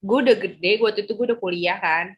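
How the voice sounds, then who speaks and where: A woman's voice: medium pitch, fast. A woman in her twenties, a podcast host, telling stories in slangy casual chat and acting out quotes. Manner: slangy, animated storytelling with acted-out quotes. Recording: dull lo-fi sound.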